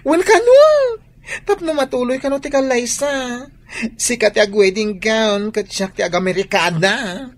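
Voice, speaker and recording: A woman's voice: fairly high pitch, moderate pace, no room sound, close to an everyday voice. A woman playing a whining, effeminate gay man, close and dry. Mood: pleading, insistent. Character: effeminate gay man, dramatic, pleading bride-to-be. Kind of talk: radio drama acting.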